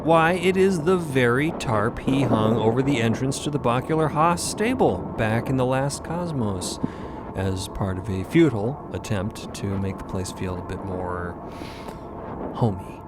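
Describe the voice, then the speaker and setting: A man's voice: mid-range voice, measured pace. A man narrating a scripted dramatic story. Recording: loud ambient noise behind.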